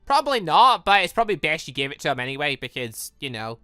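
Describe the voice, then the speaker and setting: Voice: medium pitch, big pitch swings, quick pace, bright, forceful tone, clean tone, dry recording, soft background music. A let's-play host giving casual, rambling commentary on a visual novel, often stumbling over words. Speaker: gaming channel host reading and reacting to a visual novel.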